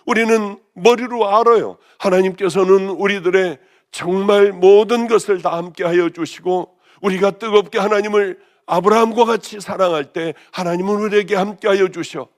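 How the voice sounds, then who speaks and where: A woman pastor with a hoarse voice, preaching a sermon with passion, rising to loud exclamations and then dropping to hushed, almost whispered lines. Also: medium pitch, normal speed, few pauses. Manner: impassioned, swinging between raised exclamations and hushed near-whispers.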